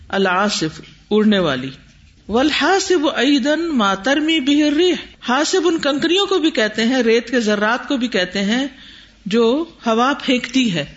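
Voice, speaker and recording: A man teaching Arabic vocabulary in a classroom lesson. He explains each word step by step, reads the Arabic terms slowly, and quizzes the class. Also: sits high, fairly bright tone, muffled recording. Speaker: Quran teacher.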